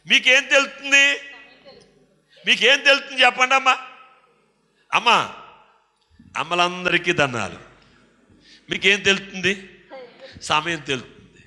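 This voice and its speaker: A man's voice: high voice, animated, unhurried, long pauses, bright, forceful tone. A male pastor preaching a sermon, exhorting his congregation with repeated questions and call-and-response. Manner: repetitive, emphatic preaching. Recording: long hall reverb.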